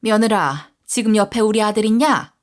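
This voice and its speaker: A woman's voice: medium pitch, moderate pace, close to an everyday voice. A woman voicing a harsh, scornful older mother-in-law in a story reading, speaking in curt, scolding phrases. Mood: sneering.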